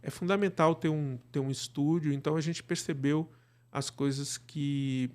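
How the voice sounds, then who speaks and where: A man's voice: a little high, steady tone, normal speed. A Brazilian man explaining things conversationally as an interview guest, often checking for agreement with little tag questions. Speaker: interview guest, radio drama director.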